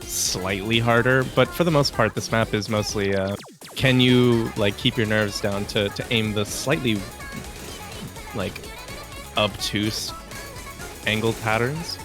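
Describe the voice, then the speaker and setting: A man doing play-by-play commentary on a game tournament, relaxed and calling plays in short bursts. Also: lowish voice, takes it slowly. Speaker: esports commentator. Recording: game music playing underneath.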